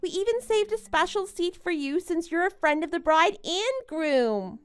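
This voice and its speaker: Casting: actress as smug bride-to-be for animated story drama, high and very animated, gloating and condescending. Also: female voice, moderate pace. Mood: boastful. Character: smug, boastful young bride who taunts her friend. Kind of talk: melodramatic animated-story voice acting.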